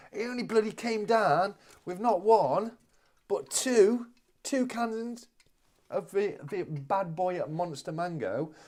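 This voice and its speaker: Her dark, mellow voice lively in intonation, a woman speaks at a very slow pace with long, frequent pauses. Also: medium pitch for a woman. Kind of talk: informal, casual.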